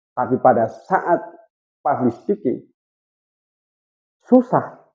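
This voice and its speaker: A man's voice: mid-range voice, dark tone, muffled recording. A man in his thirties teaching public speaking, talking straight to his viewers and shifting his intonation on purpose to show how it is done. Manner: varies intonation on purpose to demonstrate. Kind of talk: instructional talk to camera.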